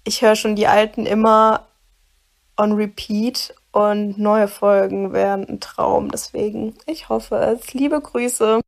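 Woman, mid-twenties, middle pitch, strong creak, fan voice message. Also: fairly even intonation, slow. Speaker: podcast listener, fan.

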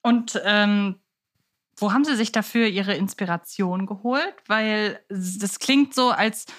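A woman interviewing as a podcast host, asking wordy, conversational questions and thinking aloud. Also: mid-range voice.

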